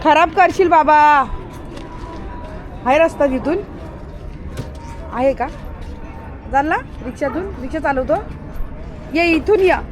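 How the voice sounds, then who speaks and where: A woman's voice: high-pitched, slow pace, pauses often, faint music behind. A woman vlogging outdoors, coaxing and scolding her pet dogs in casual, chatty talk. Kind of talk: casual talk to pets and neighbors.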